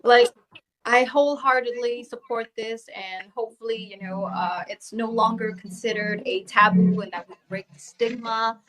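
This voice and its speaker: A woman's voice: on the high side, fairly even intonation, normal speed, a bit bright, rough recording. Earnest young woman from Cambodia. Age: young adult. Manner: earnest, searching for words, repeats herself. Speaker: guest, beauty queen and actress. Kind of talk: interview answers over video call. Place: video call.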